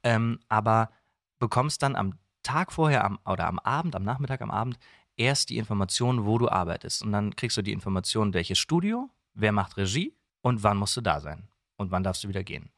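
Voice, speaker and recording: A low-voiced man with a creaky edge speaks in a conversational interview. He explains his trade matter-of-factly, repeating words for emphasis. The sound is very dry and close. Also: lively intonation, a little fast, fairly bright tone, dry recording. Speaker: guest, voice actor and dubbing director.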